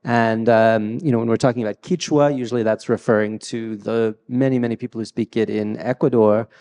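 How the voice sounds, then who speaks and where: A man's voice: fairly low pitch, fairly even intonation, brisk, dark tone, long reverb tail. A man moderating a panel talk on stage, speaking thoughtfully into a handheld mic with many fillers and restarts. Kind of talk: hesitant conversational talk. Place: large hall with a stage.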